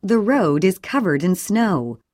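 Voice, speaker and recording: A woman's voice: medium pitch, dry recording, studio quality. Woman reading English drill sentences. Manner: clear, even, deliberate reading. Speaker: English audio reader.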